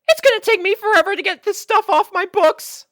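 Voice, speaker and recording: A woman voicing a kindly but fretful young adult mare pony, expressive and reassuring, in a story reading. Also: extremely high pitch, a little fast, dry recording, clean studio sound, voice pushed up. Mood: dismayed.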